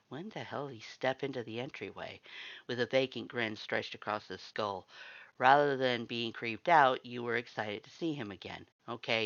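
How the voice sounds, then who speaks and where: Male narrator for fiction audiobook-style reading: creaky voice, forward bright tone, slightly muffled dry recording. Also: fairly low pitch, no echo. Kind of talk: scripted story narration.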